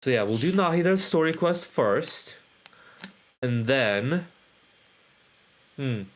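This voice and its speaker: A man's voice: medium pitch, lively intonation, slow. A man doing casual live gameplay commentary, rambling, repeating himself and swearing offhand. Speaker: game livestreamer.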